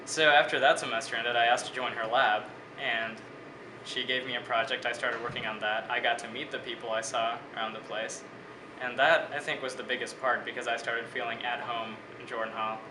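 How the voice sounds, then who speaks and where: A man in his twenties from Bangladesh talks through his studies as an interviewee, thoughtful and well-spoken. His voice sits at an ordinary middle pitch. The room rings with echo, and an air conditioner hums clearly behind him. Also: brisk. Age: 20s. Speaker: interviewee, biology student. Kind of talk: casual interview answers. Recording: echoey room with steady air-conditioning hum.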